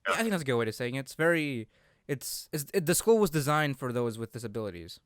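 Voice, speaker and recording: A man's voice: mid-range voice, very animated, fast, dry recording, clean studio sound. A man in his twenties co-hosting a casual unscripted chat, rambling and often repeating his words. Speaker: podcast co-host.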